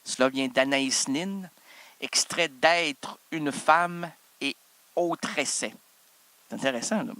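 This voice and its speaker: A man's voice: fairly high pitch, sharp tone, roomy sound, long reverb tail, poor audio. A man with a Québécois accent improvising a comic stage monologue, rambling, interrupting himself and teasing the audience. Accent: Québécois French. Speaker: improv performer and host.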